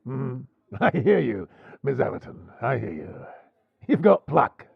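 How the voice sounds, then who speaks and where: Man acting a gravelly, menacing pirate overlord. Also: mid-range voice, big pitch swings, slow, dry recording, dull audio, exaggerated voice. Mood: dryly amused. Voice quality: gravelly, husky. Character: wary, gruff male pirate overlord, dryly amused and menacing. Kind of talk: audio roleplay acting.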